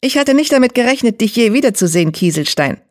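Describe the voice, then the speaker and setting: A narrator voicing a small black tomcat who leads a clan, cold and mocking, with a high, sharp voice and a faint hiss underneath. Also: animated, fast, natural voice. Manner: mocking, icy. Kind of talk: audiobook character voice.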